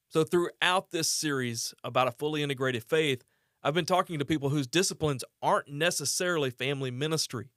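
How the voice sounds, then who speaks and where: A man's voice: on the high side, a bit bright, no room sound, clean studio sound. Earnest man hosting a faith podcast. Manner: earnest, conversational, with brief laughs. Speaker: podcast host. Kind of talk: podcast interview.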